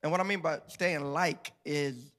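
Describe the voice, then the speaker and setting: A man's voice: on the high side, fairly even intonation, unhurried, a bit bright. A middle-aged man, telling a playful, laughing story to a live audience as a guest author. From Georgia, USA.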